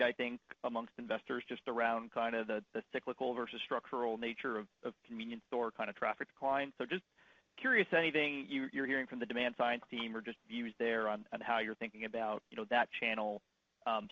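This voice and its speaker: Halting male analyst on a dull line. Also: mid-range voice, steady tone, pushed and bright, dry recording. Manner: halting, repeats words, polite. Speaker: financial analyst. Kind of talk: earnings call questions. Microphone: conference call line. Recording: dull, dry phone-call audio.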